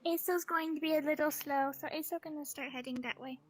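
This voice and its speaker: A woman's voice: high voice, fairly even intonation, fairly quick, close to an everyday voice. A woman playing a quaint, friendly dragon character in an improvised roleplay, sweetly addressing others and speaking of herself in third person. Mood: hesitant, friendly. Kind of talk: improvised virtual-world roleplay.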